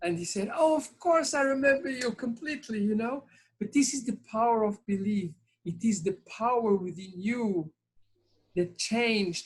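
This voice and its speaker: A woman talks at a moderate pace with lively intonation. Her voice is fairly high and somewhat breathy. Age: 60s. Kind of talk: personal testimony.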